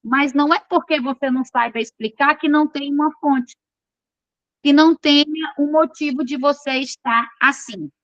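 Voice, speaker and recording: A woman's voice: high-pitched, fairly even intonation, normal speed, a bit bright, no room sound, muffled recording. A woman teaching an online class. She reads from course notes and keeps checking in with her students in a chatty, informal way.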